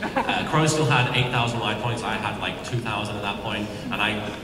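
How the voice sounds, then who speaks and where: A man telling a casual anecdote to a convention panel, with animated delivery and mock-serious asides. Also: fairly low pitch, normal speed. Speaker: panelist answering fan questions. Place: large convention panel hall. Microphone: PA microphone recorded by a distant audience camera. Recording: echoey hall, distant camera, noisy room.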